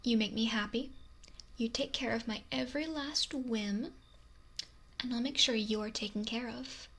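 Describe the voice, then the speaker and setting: A woman playing a possessive, wealthy mafia boss in an intimate ASMR roleplay, breathy and often whispery, with a slow, softly threatening manner. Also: fairly high pitch, steady tone, exaggerated voice. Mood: controlling, indulgent. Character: possessive, domineering wealthy female mafia boss, lonely, menacing. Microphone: close binaural ASMR microphone.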